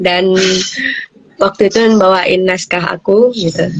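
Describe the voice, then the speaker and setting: Noticeable background noise accompanies a woman who talks at a fairly slow pace, her pitch varying in an ordinary way. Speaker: discussion moderator. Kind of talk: discussion on a live stream. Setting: Instagram live stream. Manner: hesitant, many fillers.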